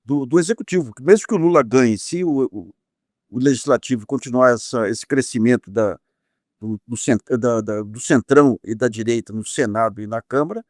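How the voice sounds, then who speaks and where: A man with a Brazilian Portuguese accent commenting on politics in an animated way, often restarting and repeating words as he thinks. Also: mid-range voice, moderate pace, dry recording, clean studio sound. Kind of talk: panel discussion.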